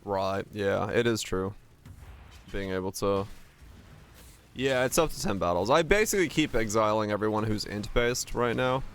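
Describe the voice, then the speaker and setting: Raspy low-voiced male game streamer. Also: normal speed. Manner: loose, profane, answers chat offhand. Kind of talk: casual live gameplay commentary.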